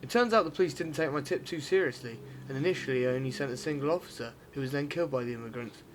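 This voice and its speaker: A man playing a brisk, pushy ex-cop turned vigilante in an audio drama, explaining things matter-of-factly. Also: mid-range voice, a little hiss or hum, natural voice. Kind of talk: amateur audio drama acting.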